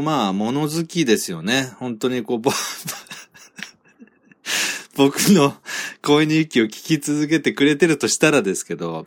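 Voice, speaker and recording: A man's voice: medium pitch, no room sound, studio quality. A man hosting his own podcast, reading out listener comments in a rambling, self-deprecating way with frequent chuckles. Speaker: podcast host.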